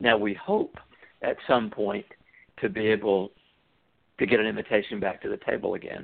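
With a Southern US accent, a man speaks at a moderate pace. He leaves long, frequent pauses. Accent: Southern American. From US South. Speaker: documentary maker. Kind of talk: roundtable discussion on radio.

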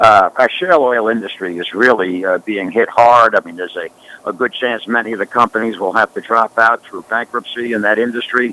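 With a plain, everyday voice, a man talks at a fairly quick pace with hardly any pauses, a medium pitch and ordinary pitch variation, the sound dry and close with no echo. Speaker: professor and author. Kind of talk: radio interview.

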